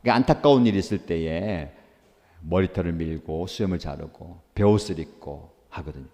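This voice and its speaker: Male pastor, low warm voice, earnest preacherly delivery, poses questions and answers them, long church-hall reverb. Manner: asks rhetorical questions and answers them himself. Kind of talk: daily devotional sermon.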